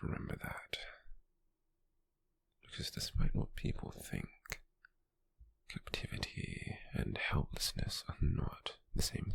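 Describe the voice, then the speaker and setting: A British man playing a possessive, calculating nobleman in an intimate ASMR roleplay, speaking in a soft, menacing, condescending murmur close to the mic. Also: no echo, heavily acted, low-quality recording. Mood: coolly instructive. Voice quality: breathy, husky, gravelly low murmur. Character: possessive, calculating noble man who buys captives at auction. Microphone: close mic, dry.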